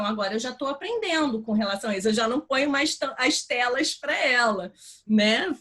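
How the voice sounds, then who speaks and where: A woman's voice: a little high, a bit bright. A woman with a Brazilian accent giving a guest class, explaining in a conversational way and often asking rhetorical questions. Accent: Brazilian Portuguese. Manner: frequent tag "né". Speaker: guest lecturer. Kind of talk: online class talk.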